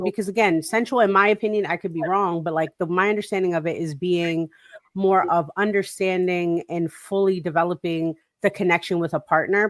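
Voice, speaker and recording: Woman, lowish voice, animated, playful, casual talk-show chat, dry close sound. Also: no echo. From Puerto Rican heritage. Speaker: podcast co-host.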